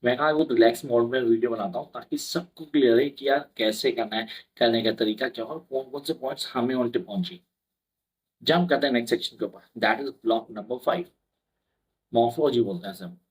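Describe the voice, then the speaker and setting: A man's voice: medium pitch, brisk, breathy edge, poor audio. A young adult man tutoring for an English exam in a casual mix of Hindi and English, chatty and reassuring, acting out his students' questions. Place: indoor room with a whiteboard behind him.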